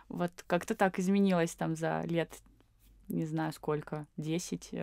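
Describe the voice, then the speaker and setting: Very slow speech from a woman at a fairly low pitch, recorded dry and close with no echo and a very clean, silent background. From southern Russia (Krasnodar Krai, Kuban). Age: 20s. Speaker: communications agency co-founder. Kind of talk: casual interview chat.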